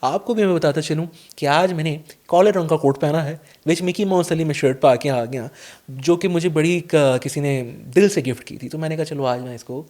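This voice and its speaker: A man's voice: a little high, moderate pace, few pauses. Chatty male podcast host. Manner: chatty, warm formal address, frequent fillers. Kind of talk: casual interview chat.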